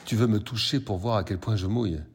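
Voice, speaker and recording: This is a woman in bed with her lover, bold in what she asks for, voiced by a male reader. Her voice stays low, husky and close. She speaks softly and intimately, in a storybook reading. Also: fast talker. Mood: teasing. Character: aroused woman lover, shy then bold.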